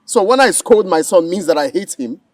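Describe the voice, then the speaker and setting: A man's voice: sits high, lively intonation, fairly quick. An actor playing a stern king and father who scolds his family. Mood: defensive.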